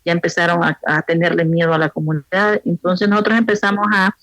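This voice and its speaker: A woman from Honduras with a Honduran accent, a pastor answering interview questions thoughtfully, with frequent pauses and restarts. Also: lowish voice, level tone, a bit bright, no echo. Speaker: pastor's wife and guest.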